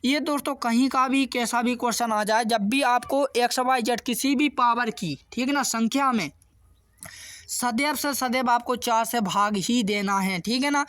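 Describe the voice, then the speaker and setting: A man's voice: very high-pitched, normal speed, dry recording. A man teaching an exam-prep math lesson, patiently walking through each step and constantly checking in with his viewers by asking questions and answering them himself. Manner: steady, patient explaining. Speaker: math tutor.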